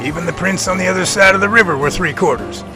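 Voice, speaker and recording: A man's voice: high-pitched, fast, over music. An actor playing an earnest, assured male professor and field researcher, speaking emphatically in audio drama dialogue. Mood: earnest, emphatic.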